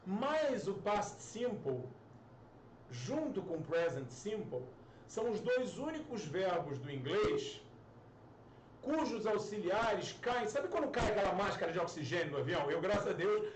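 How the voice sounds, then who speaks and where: A man's voice: high-pitched, very animated, normal speed. A man who teaches English, giving an online grammar lesson and explaining with everyday analogies and repeated example sentences. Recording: roomy echo, distant mic, faint hiss.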